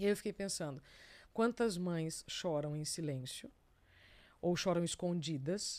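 Fairly low female voice at a fairly slow pace with ordinary pitch variation, on a very clean recording with a silent background. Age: 40s. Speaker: journalist and speaker. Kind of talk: interview conversation. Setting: studio.

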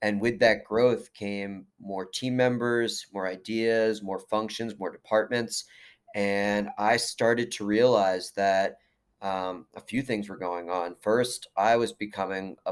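A man with an American accent and a plain, everyday voice speaks at a fairly slow pace and fairly low pitch, his intonation fairly even but his loudness swinging widely, on a very clean recording with a silent background. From New York area. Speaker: bagel shop owner. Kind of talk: podcast interview.

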